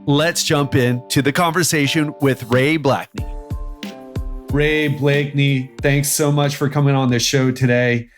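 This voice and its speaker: A man's voice: medium pitch, fairly even intonation, unhurried, faint music behind. A man hosting a podcast, introducing his guest in an upbeat, enthusiastic way. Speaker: podcast host. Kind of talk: podcast interview.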